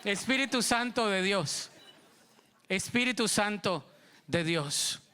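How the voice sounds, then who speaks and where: A man's voice: high-pitched, expressive, takes it slowly, bright, forceful tone, a little hiss or hum. A Colombian man preaching a sermon in church, telling a story and acting out its dialogue. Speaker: pastor.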